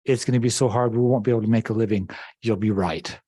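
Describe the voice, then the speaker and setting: A man's voice: lowish voice, fairly even intonation, fast talker, dark tone, husky, dry recording, clean studio sound. Upbeat man rallying a sales team. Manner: upbeat, urging, talks to the room. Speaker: real estate office leader. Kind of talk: motivational team meeting talk.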